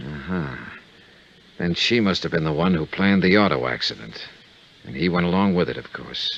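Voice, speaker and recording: Over noticeable background noise, a man talks at a moderate pace in a very deep, low pitch, with ordinary pitch variation and long, frequent pauses. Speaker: radio drama actor playing insurance investigator. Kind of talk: old-time radio drama, hardboiled detective.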